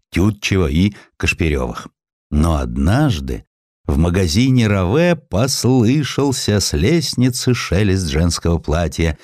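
Male narrator, low register, very animated delivery, for dramatized historical prose; expressive and measured. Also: no room sound, studio quality. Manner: expressive, measured storytelling with distinct character lines. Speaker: audiobook narrator.

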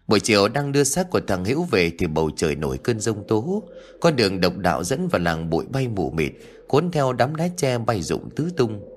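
A man's voice: on the low side, a little hiss or hum. A man narrating a scripted ghost story with a dramatic, suspenseful delivery.

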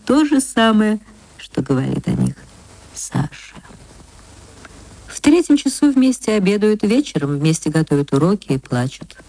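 A woman reads a classic story aloud for an old radio broadcast, tender and unhurried. Her voice sits low and warm, and she slows down to savor the quiet, reflective moments. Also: dry recording, poor audio. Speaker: narrator. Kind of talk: literary radio reading.

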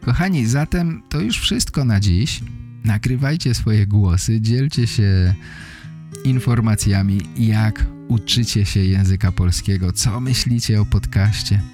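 Guy doing a learner podcast, really slow simple phrasing, soft dark tone, music under it. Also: lowish voice. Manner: deliberate phrasing in short simple sentences. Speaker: podcast host. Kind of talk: clear explanatory monologue for language learners.

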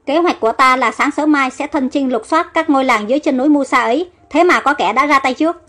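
A woman's voice: sits high, fast talker, fairly bright tone. A woman voicing a young, hot-tempered male pharaoh who speaks in a commanding, impatient way. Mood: angry.

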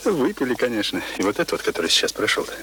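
An actor playing a courteous, talkative suitor telling tall tales in a radio play. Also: male voice, medium pitch, sing-song, rapid-fire, pushed and bright. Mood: animated, boastful. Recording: noisy old radio play recording.

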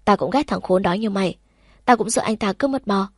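A blunt, caring young woman in a spoken novel, frank and protective toward her best friend, as the woman narrating reads her lines. The voice is a middle-pitched everyday one, recorded close and dry. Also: brisk, husky, no room sound, lightly acted. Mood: earnest.

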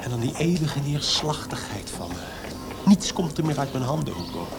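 An actor playing a fragile, self-pitying young poet in a Dutch radio drama, with a plaintive and halting delivery. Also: male voice, mid-range voice, very animated, gravelly. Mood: plaintive, dejected. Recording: radio play with noisy background ambience.

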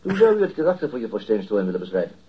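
An actor playing a formal, persistent police detective questioning a witness in a radio drama, politely insistent. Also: male voice, lowish voice, sing-song, very fast, dull audio, slight background noise. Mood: formal, probing. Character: male police detective inspector, formal, persistent, coolly pressuring. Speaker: interrogating police officer. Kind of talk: radio drama dialogue, interrogation.

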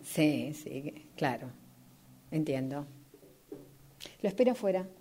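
A woman's voice: low voice, animated, slow pace, warm tone, a little hiss or hum. A woman with a Rioplatense accent playing a firm, easily exasperated male estate agent in an amateur radio drama. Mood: businesslike. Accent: Rioplatense Spanish. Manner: insistent, scolding, repetitive.

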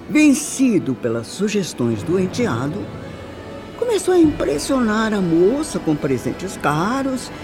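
A bitter wronged wife, theatrical and lively. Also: female voice, lowish voice. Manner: theatrical, emphatic, with dramatic pauses. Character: wronged woman recounting her past life under regression, bitter, dramatic. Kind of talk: radio soap opera acting, dramatic monologue.

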